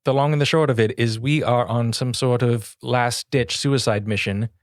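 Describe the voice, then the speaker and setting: A man's voice: medium pitch, steady tone, normal speed, no room sound. Dude playing his character at a tabletop game, a bit hesitant, dry sound. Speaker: player. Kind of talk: tabletop role-play.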